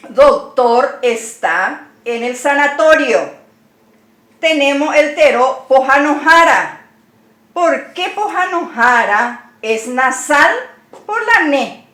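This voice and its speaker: Slow, bright-voiced woman teaching a language lesson. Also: high-pitched, echoey room. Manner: patient, spells words out letter by letter.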